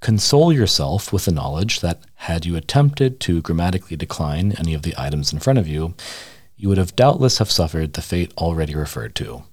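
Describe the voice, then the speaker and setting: A deep-voiced man reads a humorous essay in a dry, deadpan, mock-serious tone. His voice sits very low, and the recording is close and dry with no room sound. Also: no room sound. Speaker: radio essayist. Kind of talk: humorous essay read aloud.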